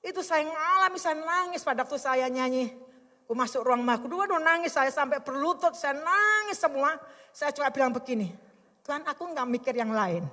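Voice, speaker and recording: A woman's voice: high voice, expressive, fairly quick, sharp tone. A middle-aged woman pastor preaching a sermon with emphatic, heartfelt delivery. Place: worship service in a hotel hall. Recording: long hall reverb.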